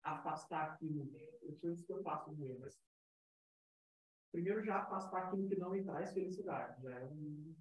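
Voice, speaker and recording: A man's voice: fairly high pitch, fairly quick. A man from the audience giving a thoughtful answer in a group discussion. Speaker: audience participant. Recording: roomy echo.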